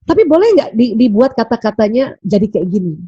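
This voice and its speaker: A middle-aged woman giving a lively parenting lecture, acting out quoted examples and laughing often. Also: on the high side, fairly quick, husky, no echo, lo-fi sound. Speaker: doctor giving a parenting study talk.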